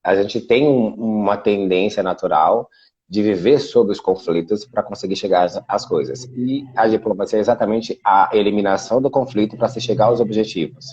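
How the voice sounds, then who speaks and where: Brazilian man, husky low voice, dull video-call sound, chatty explainer. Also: moderate pace, darkish tone. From Brazil (Salvador, Bahia). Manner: explanatory, many fillers like "né". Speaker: guest, international relations specialist. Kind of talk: casual video interview. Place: Portugal.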